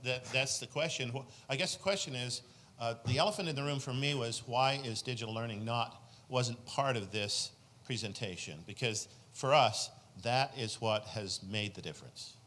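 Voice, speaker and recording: A man's voice: medium pitch, moderate pace, fairly bright tone. A man, a state senator, speaking from the floor at a conference session, earnestly promoting a program at length. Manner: earnest, promotional, long-winded. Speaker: state senator asking a question.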